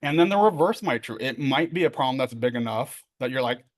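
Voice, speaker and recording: A man's voice: medium pitch, expressive, brisk. A middle-aged man giving a casual workshop lecture as a therapy trainer, chatty and joking, with many fillers and tag questions.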